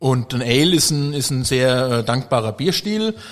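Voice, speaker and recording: An unremarkable speaking voice from a man at a medium pitch, talking at a moderate pace. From Rheinhessen, Germany. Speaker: craft brewer. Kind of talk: casual chat.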